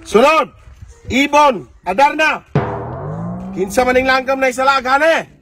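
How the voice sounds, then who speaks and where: A man's voice: very high-pitched, unhurried, music in the background. A Filipino man with a Visayan accent playing a strict, mocking cadet training instructor in a comedy skit, bossy and teasing.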